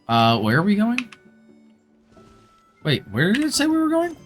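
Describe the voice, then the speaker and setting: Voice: mid-range voice, huge pitch swings, measured pace, faint music behind. A streamer giving casual live commentary on a video game, reacting informally and with slangy asides. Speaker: streamer, VTuber.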